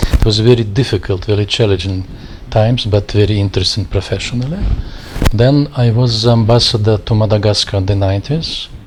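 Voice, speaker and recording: At a fairly quick pace, a man with a fairly low pitch, ordinary pitch variation, and very even loudness speaks over noticeable background noise. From Russia. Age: 60s. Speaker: diplomat. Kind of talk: interview.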